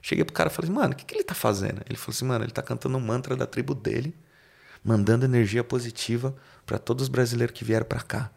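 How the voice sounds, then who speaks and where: Speaking very fast, this man from Brazil, a car salesman on a podcast, spins casual storytelling full of slang and acted-out dialogue. His mid-range voice is gravelly, a little mellow, with a breathy edge.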